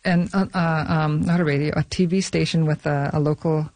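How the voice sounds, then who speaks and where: A woman from Saskatchewan, Canada, answering interview questions about her film in a studio, halting often with fillers and restarts. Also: sits low, steady tone, darkish tone, no echo. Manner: hesitant, many fillers and restarts. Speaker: filmmaker guest. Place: radio studio.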